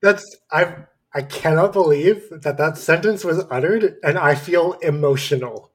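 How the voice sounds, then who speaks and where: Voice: mid-range voice, unhurried, noisy background. Incredulous podcast co-host reacting. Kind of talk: casual chat reacting to a story.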